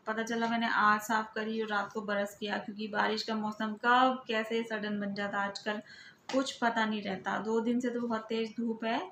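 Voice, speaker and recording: A woman's voice: a little high, fairly bright tone, slight background noise. A woman in her thirties, a mother and vlogger, narrating her home vlog as a voice-over in a chatty, conversational way, often tagging her sentences with little questions to the viewer.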